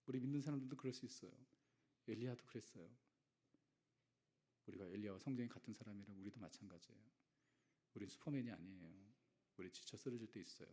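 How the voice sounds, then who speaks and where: A male pastor giving a Sunday sermon, swinging between loud exhortation and hushed, near-whispered lines, and acting out short quoted prayers. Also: lowish voice, fast, pauses often.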